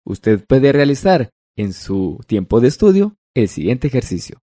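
A man's voice: medium pitch, sing-song, measured pace, warm tone, dry recording, clean studio sound. A man co-teaching a language lesson on a broadcast, reading examples and explaining them.

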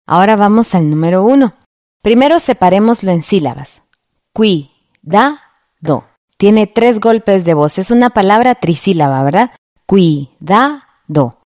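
A woman teaching a radio lesson in a clear, patient way, checking in with the listener. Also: medium pitch, lively intonation, normal speed, dark tone, no echo, studio quality. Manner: clear, patient, asks ¿verdad?.

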